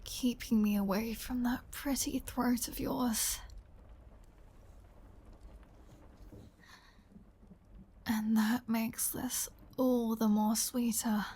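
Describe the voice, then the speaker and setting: A woman playing a flirty, predatory vampire in an intimate ASMR roleplay, teasing and dominant, often dropping into a breathy whisper. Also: on the high side, steady tone, slow pace, warm tone, a little hiss or hum. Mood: hungry, triumphant. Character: flirty, predatory female vampire toying with a hunter.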